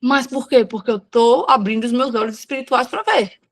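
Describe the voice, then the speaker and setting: A woman with a high, bright voice leads a casual devotional for women. She preaches frankly, dropping in slang and talking to listeners as friends. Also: normal speed. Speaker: devotional speaker. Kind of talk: informal devotional talk.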